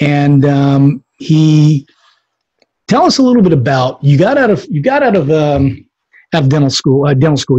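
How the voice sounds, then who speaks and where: Somewhat breathy and dark, mellow in tone, this man's fairly high voice moves with ordinary pitch variation. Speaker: dentist podcast host. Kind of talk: interview. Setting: studio.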